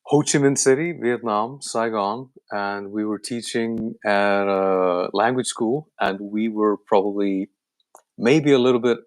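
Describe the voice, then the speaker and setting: A man from Iceland hosting a casual language chat, easygoing and quick to agree. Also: on the low side, dry recording. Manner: easygoing, affirming, repeats yeah. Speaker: host, language teacher.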